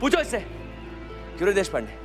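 A bitter young gangster, sneering and abusive, his voice pitched high and cutting. He rails with contempt in a TV drama, over loud background music. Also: huge pitch swings, normal speed. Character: vengeful young male gangster, menacing, bitter. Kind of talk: stage-style TV drama acting.

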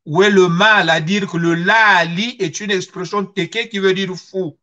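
A man's voice: high-pitched, fairly even intonation, measured pace, pushed and bright, highs cut off. A middle-aged man with a Congolese accent, giving personal testimony in an earnest, emphatic way with rhetorical questions. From Congo-Brazzaville. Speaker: guest speaker. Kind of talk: personal testimony on history and identity. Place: small furnished room at home, video call.

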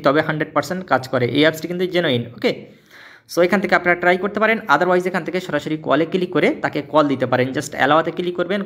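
A man voices over a phone tutorial at a very rapid clip. His voice sits a little high for a man. He explains each step emphatically, repeating himself like a keen salesman and dropping in English words. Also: a bit bright. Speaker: tech tutorial YouTuber. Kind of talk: tutorial voice-over for a screen recording.

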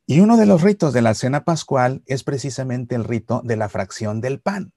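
A middle-aged man giving a Catholic reflection to camera, explaining patiently and slowing for solemn lines. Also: mid-range voice, dry recording, studio quality. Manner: warm explanatory storytelling, slows for solemn lines. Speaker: Catholic YouTuber. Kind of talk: reflective religious talk to camera. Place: Seattle archdiocese series.

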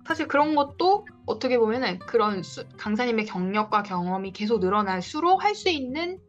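A woman in her thirties who coaches independent lecturers gives encouraging advice in a one-on-one online session. Her voice is a little high, sing-song, and a little fast. The video call audio is dull and lo-fi, with faint guitar music in the background.

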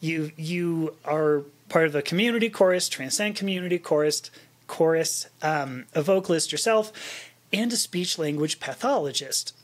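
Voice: medium pitch, moderate pace. A podcast host interviewing a guest over a video call from a home office, chatty and self-deprecating, often restarting sentences. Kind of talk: conversational interview. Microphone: studio mic on a boom arm, video call.

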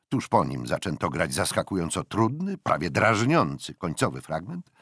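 An older man narrating a historical novel as an audiobook, with expressive, deliberate phrasing and dramatic pauses. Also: fairly low pitch, creaky, breathy edge, no echo, clean studio sound.

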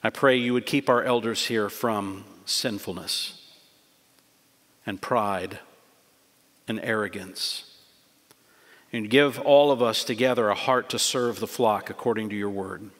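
A man's voice: lowish voice, measured pace, long pauses, a bit bright. A middle-aged man preaching earnestly from a church pulpit, closing with a prayer. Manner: earnest, emphatic preaching with repeated phrases. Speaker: pastor. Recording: long church hall reverb.

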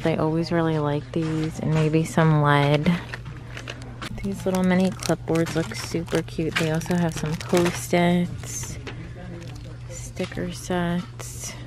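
A woman in her thirties chatting through a face mask as she browses shelves with her phone camera. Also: low voice. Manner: chatty, musing aloud while browsing. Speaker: vlogger. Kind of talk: casual shop-with-me narration. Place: large store indoors. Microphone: handheld phone camera. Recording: noisy store ambience.

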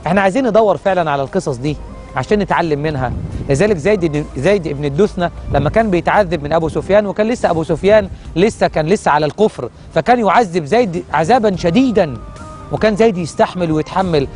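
A man's voice: high voice, very fast, darkish tone, soft background music. A man with an Egyptian Arabic accent hosting a religious television program, telling stories in an earnest, emotive way.

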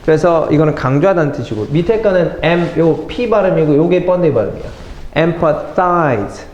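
A middle-aged man teaching English vocabulary in a lively classroom lecture, mixing English phrases into his explanations and talking to his students as kids. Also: fairly high pitch, fast. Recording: echoey classroom with faint noise.

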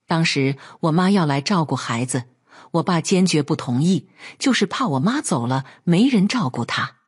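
A woman voicing a gentle, torn young husband caught between his wife and his parents in a read-aloud story. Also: low-pitched, expressive, normal speed, husky. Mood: pleading. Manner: pleading, soft.

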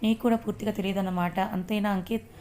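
A boastful, menacing young man in a storybook reading, voiced by a woman. He talks fast on a flat line. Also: medium pitch, slight background noise, close to an everyday voice. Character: possessive young man, brooding rival.

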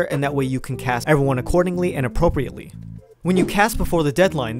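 A young man telling a casual storytime in a chatty, slangy, rambling way as a video creator. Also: fairly high pitch. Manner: animated, chuckling, informal slangy rambling. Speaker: video creator, amateur voice actor.

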